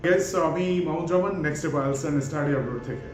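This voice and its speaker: A man's voice: a little high, moderate pace, soft background music. Bangladeshi man teaching pronunciation, echoey room. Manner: mixes English into talk, many fillers, stretches words to model sounds. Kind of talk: casual pronunciation lesson.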